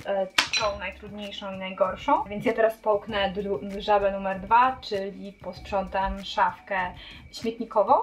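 A young woman talks to the camera about cleaning in a small apartment hallway, her tone casual and chatty. She pauses often and restarts words, keeping a mid-pitched, easygoing delivery, with faint music playing underneath. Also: low-quality recording. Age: young adult. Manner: chatty, frequent hesitations and restarts. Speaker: cleaning vlogger.

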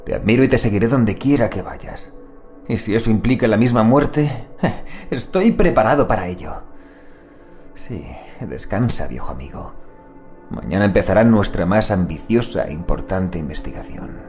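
A man's voice: fairly low pitch, animated, normal speed, darkish tone, soft background music. Man acting anguished investigator, swinging intonation. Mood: resigned, devoted. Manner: theatrical, brooding, swinging between outburst and muttering. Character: anguished male investigator dreading cosmic horror, loyal to friend. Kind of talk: audio drama monologue.

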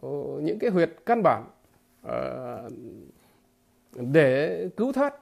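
A man giving a political commentary monologue to his viewers, halting and repeating filler words, emphatic and blunt. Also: a little high, sing-song, creaky, darkish tone. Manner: emphatic, with blunt crude imagery.

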